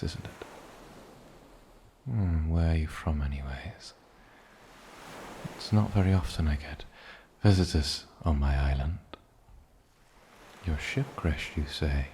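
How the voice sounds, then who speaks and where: A man playing an eccentric, lonely, ancient island demon in a soft-spoken fantasy ASMR roleplay, with a gravelly low voice and musing, polite pauses. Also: slight background noise, full character voice. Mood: sly, teasing.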